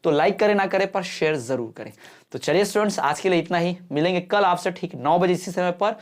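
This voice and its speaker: A man's voice: high-pitched, a little fast. A male exam-prep teacher giving an online lesson in mixed Hindi and English, explaining patiently and often checking whether the students have understood.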